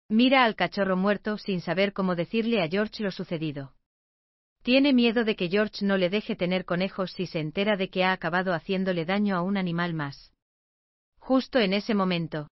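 A woman reading a book summary as scripted narration, in an even, measured way. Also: medium pitch, no echo, highs cut off.

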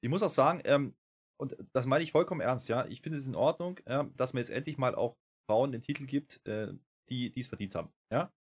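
A German man co-hosts a wrestling review podcast in a husky, mid-range voice, speaking fairly quickly. The talk is casual chat, and he gets animated, often working himself into rants packed with fillers.

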